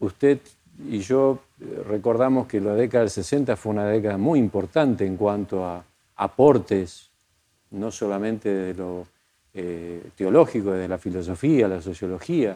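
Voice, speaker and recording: A dark, mellow tone at a fairly slow pace, with ordinary pitch variation. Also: man, fairly low pitch for a man. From Argentina, Lomas de Zamora (Buenos Aires area). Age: 60s. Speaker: theologian and priest. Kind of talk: interview.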